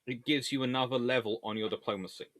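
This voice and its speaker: A man's voice: medium pitch, fairly even intonation, fast talker, a bit bright, dry recording. A man hosting an informal history Q&A, talking in a discursive, emphatic way as he reasons through debates. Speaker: naval history video host. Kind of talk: informal explainer and viewer Q&A.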